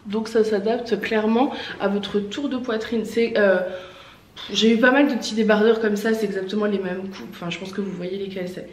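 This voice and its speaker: Standing before a mirror indoors, an online clothing shop owner chats through a try-on vlog, her mid-range voice steady and at a normal pace. The room is reverberant with slight background noise. A lingering cough leaves her congested, and she is chatty, filler-heavy, and enthusiastic about every outfit.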